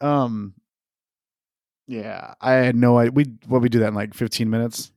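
A man's voice: mid-range voice, steady tone, moderate pace, darkish tone, no echo, studio quality. A man co-hosting a podcast in casual chat, teasing and swearing as he jokes around. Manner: joking, profane, teasing. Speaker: podcast co-host.

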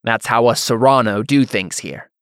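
A man voicing a belligerent, hotheaded young laborer in a fantasy audiobook, mocking and blustering in rough colloquial speech. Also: medium pitch, moderate pace, fairly bright tone, no room sound, studio quality, natural voice. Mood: mock patient.

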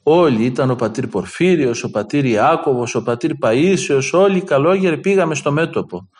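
Earnest Greek-speaking preacher man. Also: mid-range voice. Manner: earnest, lively quoting of dialogue. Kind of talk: sermon storytelling.

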